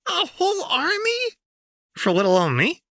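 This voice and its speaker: A man's voice: very high voice, wildly swooping pitch, unhurried, pushed and bright, dry recording, clean studio sound, pitched above the performer's own voice, heavily acted. A man voicing a manic, taunting young woman outlaw in an audiobook, with teasing, sing-song questions. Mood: mock-innocent glee. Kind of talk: audiobook character voice.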